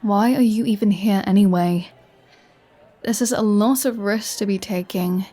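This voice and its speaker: A woman's voice: mid-range voice, unhurried, dark tone, close to an everyday voice. A woman playing a flirty, teasing vampire with a sarcastic, playfully threatening manner in a roleplay audio drama. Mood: menacing, amused. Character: flirty, teasing, menacing female vampire toying with a hunter.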